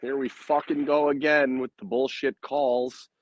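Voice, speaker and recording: A man hosting a postgame hockey livestream, speaking bluntly and with frustration in a hoarse, raspy voice that is recovering from laryngitis. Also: mid-range voice, little pitch movement, a little slow, muffled recording, over loud music. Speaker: hockey podcast host. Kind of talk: postgame sports commentary.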